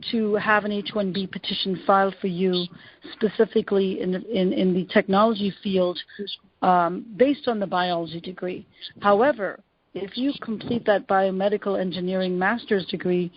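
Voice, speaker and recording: A middle-aged woman speaking as an attorney advising callers, in a halting, measured way, often rephrasing herself. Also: mid-range voice, slightly rough, dry recording. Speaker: immigration attorney answering callers. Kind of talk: advisory question-and-answer on a conference call. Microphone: phone conference line. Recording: dull, lo-fi conference call line.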